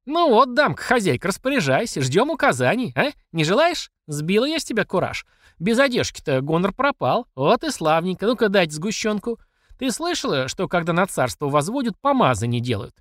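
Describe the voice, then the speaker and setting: A fierce older mother full of folksy sayings, high and lively in pitch, as a male narrator puts her on. The recording is close and dry. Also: fairly quick, no echo. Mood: gloating. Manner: shouting, mocking, folksy sayings. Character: fierce, furious older working-class mother.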